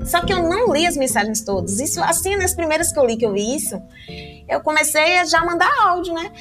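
A young woman from tells a personal story in an interview, animated and acting out the voices she quotes. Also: a little fast, over music. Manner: animated, acts out quoted voices with big pitch jumps. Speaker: interview guest.

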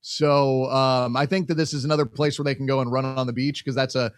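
A young man co-hosting a casual soccer chat, animated, with lots of fillers and acted-out quotes. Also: mid-range voice, fairly quick, no room sound. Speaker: podcast co-host covering soccer.

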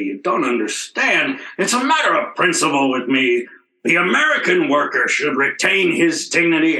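A man as a blustering, bright-voiced radio comedy boss. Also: a little high, echoey room, heavily acted, poor audio. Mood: indignant. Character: stingy, self-righteous, blustering male company boss. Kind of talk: old-time radio comedy acting.

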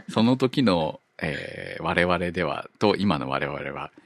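A man with a low voice that rises and falls a lot, hosting an easygoing chat. He jokes and chuckles as he talks. The recording is dry and close. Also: takes it slowly, no room sound. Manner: relaxed, joking, chuckles between remarks. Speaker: podcast host. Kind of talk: casual chat.

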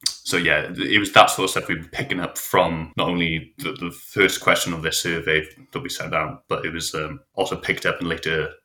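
Guy explaining his research, really deep but bright voice, stops and restarts a lot. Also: flat delivery, fairly quick. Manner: thoughtful, with restarts and fillers. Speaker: researcher discussing his survey. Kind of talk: conversational interview.

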